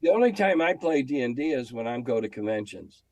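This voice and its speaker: A man's voice: mid-range voice, big pitch swings, brisk, a little mellow, no room sound. An older man reminiscing casually in an interview, speaking emphatically and repeating phrases to make his point. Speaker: game designer and magazine editor guest.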